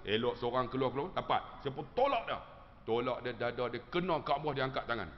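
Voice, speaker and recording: A man preacher with a Malaysian Malay accent telling an animated, humorous story to his congregation. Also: mid-range voice, a little fast. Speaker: religious teacher. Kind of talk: storytelling sermon. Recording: dull lo-fi sound with long hall reverb.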